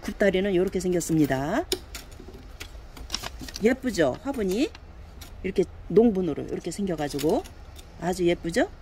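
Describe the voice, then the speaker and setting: A woman's voice: on the low side, big pitch swings, normal speed, long pauses, mellow, slight background noise. A woman selling handmade plant pots online, chatting casually as she shows and measures each one and coaxes viewers to order. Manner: chatty, fills talk with pointing words, coaxing buyers. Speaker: online pot seller. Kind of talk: casual product showcase.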